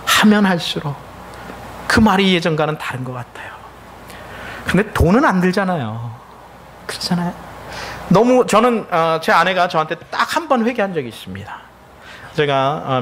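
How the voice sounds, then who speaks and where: A man's voice: on the high side, animated, normal speed, fairly bright tone, a little hiss or hum. A middle-aged man, a missionary preaching a sermon in a church, telling family stories in a conversational way. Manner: conversational, storytelling with family anecdotes. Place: church sanctuary.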